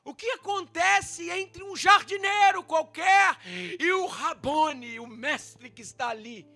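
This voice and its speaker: A man's voice: very high-pitched, slow, gravelly, faint music behind. A male pastor with a Brazilian Portuguese accent preaching a dramatic sermon, acting out the scripture dialogue and speaking straight to his congregation. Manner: dramatic, acts out the scripture dialogue with loud swings.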